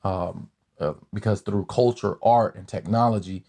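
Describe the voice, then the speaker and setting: A man's voice: on the low side, fairly even intonation, moderate pace, dark tone. A man hosting a podcast interview, speaking thoughtfully with many fillers and long questions. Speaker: podcast host. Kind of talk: conversational interview.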